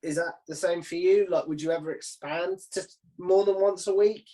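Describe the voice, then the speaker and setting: Higher-voiced man hosting a casual interview. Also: steady tone, normal speed, mellow. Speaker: interviewer, video channel host.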